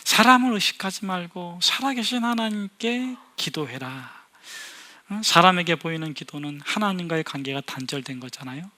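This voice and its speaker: A man preaching a Sunday sermon as a pastor, animated, with sudden loud emphasis and quick voiced asides. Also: high-pitched. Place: church sanctuary.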